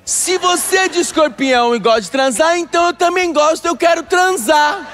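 A cheeky eight-year-old girl who insists on getting her way, as a male comedian puts her on. Her voice is very high and childish. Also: moderate pace, a bit bright, faint music behind. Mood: insistent.

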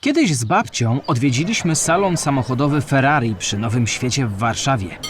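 A man's voice: mid-range voice, lively intonation, normal speed, a little hiss or hum, natural voice. A man playing a curious, earnest young boy animal asking eager, polite questions in a children's audio play.

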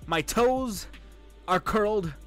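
A man doing excited, playful reaction commentary in casual slang, often exclaiming and shouting as a streamer. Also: high voice, slow. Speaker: VTuber streamer reacting to an animation. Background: music and video audio.

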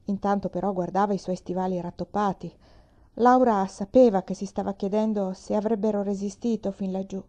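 A woman reading a children's novel aloud with calm, measured storytelling. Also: medium pitch.

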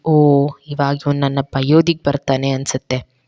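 A woman's voice: rumbling low, little pitch movement, normal speed, warm tone, dry recording, lo-fi sound. Woman doing a spiteful, scheming young woman. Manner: pouty and falsely sweet.

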